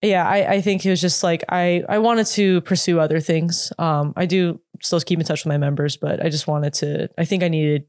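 A woman's voice: lowish voice, fairly even intonation, a little mellow, dry recording. Rambling woman in her twenties, dry sound. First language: English. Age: 20s. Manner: halting, full of "like" and restarts. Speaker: interview guest, former K-pop idol. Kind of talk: casual interview talk.

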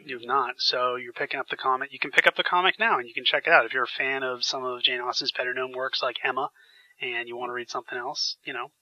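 A man's voice: medium pitch, steady tone, fast talker, sharp tone, no room sound, lo-fi sound. A man hosting a podcast, chatting enthusiastically with frequent fillers while getting over a sinus infection. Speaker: podcast host. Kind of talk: casual podcast chat.

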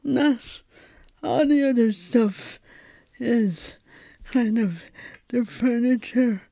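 An Irish woman speaking as a guest playwright in a reflective conversation, thoughtful and halting, often repeating words as she finds them. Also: a little high, gravelly, mellow, dry recording.

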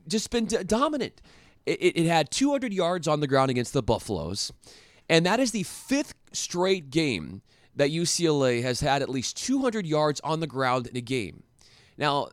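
A young man hosting a solo sports podcast, talking in an animated, excitable way with frequent restarts and rhetorical questions. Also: fairly high pitch, dry recording, studio quality. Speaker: podcast host.

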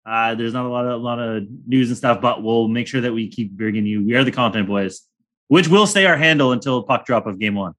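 A man's voice: mid-range voice, a little fast, fairly bright tone. Rambling joking young male podcast host. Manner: joking, rambling, crude humor. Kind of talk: casual sports chat.

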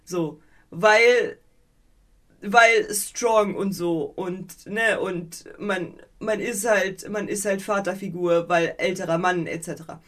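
A woman co-hosting a podcast in casual chat, animated and rambling, with many fillers and a playfully mocking edge. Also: mid-range voice, slow. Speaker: podcast co-host.

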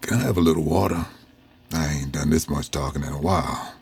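A deep-voiced old freed man. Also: vocal fry, a little mellow, slightly rough, exaggerated voice. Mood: reminiscing. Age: older. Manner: slow reflective storytelling. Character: old freed man recounting his life. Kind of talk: audio drama narration.

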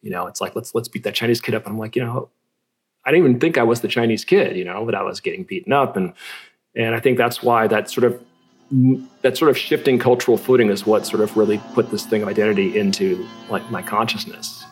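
A man's voice: on the low side, fast talker, husky, soft background music. A middle-aged man from California, a guest artist talking reflectively in an interview, with restarts and fillers. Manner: reflective, self-deprecating, many restarts and fillers. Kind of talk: relaxed conversational interview.

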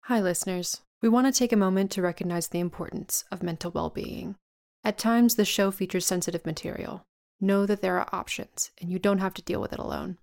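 A woman reading podcast announcements calmly and plainly. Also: mid-range voice, a little fast, dry recording, studio quality. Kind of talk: scripted announcement.

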